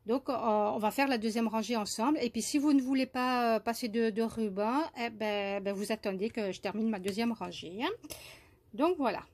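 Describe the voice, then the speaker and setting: A woman from France demonstrating crochet step by step, hesitant with many fillers and restarts, softly counting stitches under her breath. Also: on the high side, normal speed. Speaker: crochet tutorial host.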